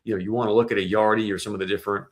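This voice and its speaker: A man's voice: fairly low pitch, little pitch movement, rapid-fire. A man hosting a show, giving conversational, explanatory industry commentary with emphasis. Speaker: show host.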